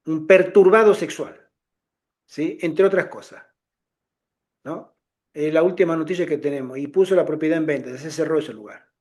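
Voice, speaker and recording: A middle-aged man speaks to a congregation in an informal, testimony-like way. His voice sits high for a man, and he tells the story with animation, acting out the voices of the people in it. It sounds like a lay ministry talk rather than a prepared sermon. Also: moderate pace, long pauses, a little mellow.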